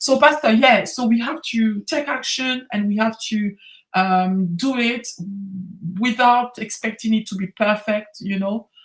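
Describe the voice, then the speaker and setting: A woman with a French accent speaks in a somewhat breathy way at a fairly slow pace. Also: ordinary pitch variation. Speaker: writing coach. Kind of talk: live stream interview. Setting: livestream on social media. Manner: halting.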